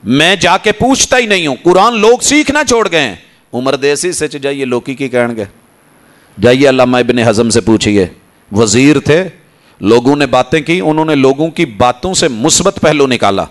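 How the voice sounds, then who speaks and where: Impassioned Punjabi-accented male preacher. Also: expressive. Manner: impassioned, rising to emphatic peaks then dropping to low asides. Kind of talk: Quran lesson sermon. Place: mosque.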